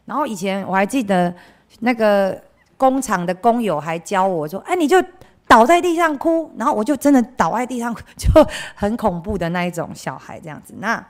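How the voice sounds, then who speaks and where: A young woman from central Taiwan with a Taiwanese Mandarin accent gives a candid, chatty personal testimony at church. She often trails off with filler phrases and acts out the voices of people she quotes. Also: mid-range voice. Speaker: church member giving a testimony.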